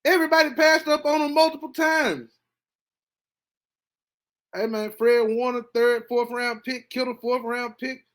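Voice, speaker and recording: A man hosting a podcast, reacting casually to a football game, animated and talkative, dropping to low mutters and jumping to excited high bursts. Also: unhurried, pauses often. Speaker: podcast host. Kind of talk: casual sports reaction monologue.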